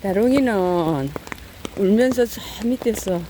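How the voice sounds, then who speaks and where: A middle-aged woman chats casually while feeding stray cats outdoors, her voice sitting in the middle range. She breaks into fond, coaxing calls to the animals between fillers and pauses. A light patter of rain sits behind her. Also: medium pitch, lively intonation, noisy background. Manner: talks fondly to cats in a raised coaxing voice, lots of fillers. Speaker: cat-feeding vlogger. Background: rain falling.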